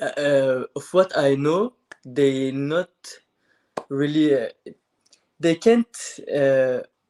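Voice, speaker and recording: The speaker has an Arabic accent and talks at a very slow pace. Pitch variation is ordinary. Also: man, dry, close sound with no echo. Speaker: activist's son, interviewee. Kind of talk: interview. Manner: halting, many fillers.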